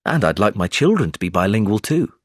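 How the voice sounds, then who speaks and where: Young brazilian guy, portuguese first language, husky and low, super animated, dry studio sound. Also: a little fast, no echo. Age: young adult. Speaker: sample answer speaker. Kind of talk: scripted exam answer recording.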